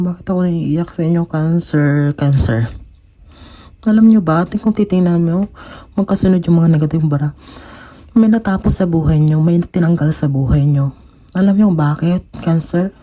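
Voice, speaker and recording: A man's voice: on the high side, warm tone, a little hiss or hum. A young man with a Filipino accent giving an emotional tarot reading, switching between Tagalog and English. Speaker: tarot reader.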